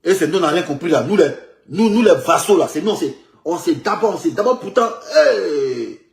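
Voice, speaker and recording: A man comments on a picture in an animated, rambling flow, stumbling over words and repeating himself. His voice sits a little high for a man. The room around him is echoey. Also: brisk, vocal fry. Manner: animated, repetitive, stumbling restarts. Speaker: political commentator.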